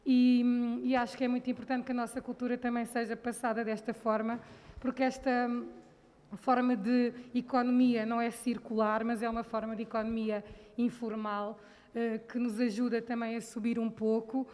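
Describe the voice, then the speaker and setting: Steady-toned woman in an echoing hall. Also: fairly high pitch, normal speed. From Angola. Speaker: audience member. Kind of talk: comment from the floor.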